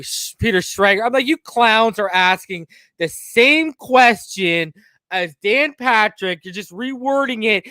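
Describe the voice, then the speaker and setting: Male sports-stream host, high voice, close dry mic, heated and mocking. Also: dry recording. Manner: heated, mocking, swings from mumbling to loud. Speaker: podcast host. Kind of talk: casual live-stream rant.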